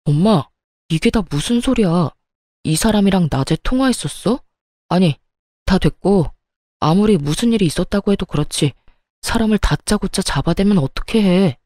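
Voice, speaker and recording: A woman plays an exasperated young husband shouting at his mother in a story reading. The voice stays close to her own, mellow and dark in tone, recorded dry and close. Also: medium pitch, lively intonation, normal speed, no room sound, natural voice. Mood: angry.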